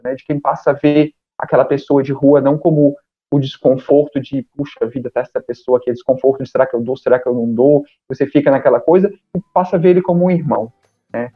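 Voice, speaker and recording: A man, speaking as a podcast guest, thinking aloud with frequent pauses and fillers. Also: fairly high pitch. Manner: thoughtful, hesitant, many fillers. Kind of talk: casual conversation. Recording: dull lo-fi sound.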